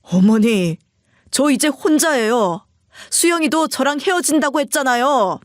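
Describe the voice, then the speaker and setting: A woman's voice: high-pitched, expressive, unhurried, no room sound, clean studio sound. A woman voicing a weary, strained grown man who pleads with his mother in a subdued way.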